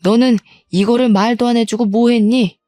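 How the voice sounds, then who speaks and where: A woman's voice: a little high, steady tone, normal speed, dark tone, dry recording, soft background music, natural voice. A woman voicing a nagging, scornful older mother-in-law who scolds sharply and talks down to her daughter-in-law. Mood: scolding. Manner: scolding, contemptuous.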